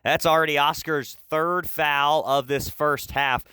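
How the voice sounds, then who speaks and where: A young man working as a sportscaster, speaking in a clear broadcast style. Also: fairly high pitch, fairly even intonation, unhurried, sharp tone, no echo. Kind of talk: interview questions and radio basketball play-by-play.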